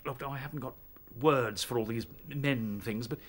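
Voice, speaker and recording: A man playing a battle-worn rabbit captain in a radio drama, halting as he recounts horrors. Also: medium pitch, close to an everyday voice. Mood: troubled. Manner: halting, searching for words.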